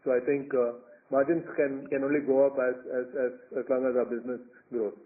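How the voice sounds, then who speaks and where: A man's voice: mid-range voice, little pitch movement, brisk. A man with an Indian accent answering questions as a company executive on an earnings call, hesitant and often repeating words as he explains. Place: conference call over phone line. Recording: tinny narrowband phone conference line.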